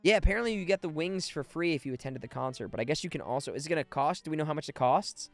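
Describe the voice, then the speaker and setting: A man's voice: a little high, expressive, very fast, gravelly. A man live streaming a video game, chatty and informal, sometimes stumbling as he reads aloud, with game music behind.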